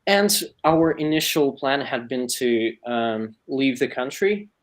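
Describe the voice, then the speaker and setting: A man with a Ukrainian accent and an average-pitched voice speaks as a panel guest. He tells a personal account in a conversational way. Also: animated, takes it slowly.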